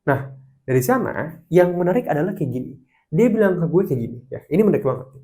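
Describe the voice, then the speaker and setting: A young man talking casually to camera, giving advice and telling stories, acting out quoted lines with sudden jumps in pitch. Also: fast talker. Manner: animated storytelling, acts out quoted lines with sharp pitch jumps. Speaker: host.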